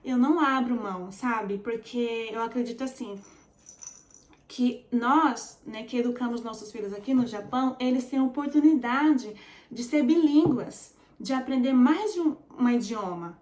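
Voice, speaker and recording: Slightly high with a darkish tone, this woman speaks at normal speed amid noticeable reverb. She's a Brazilian vlogger in her forties with a Brazilian Portuguese accent, casually recounting her story, chatty, full of fillers, and addressing viewers as "gente."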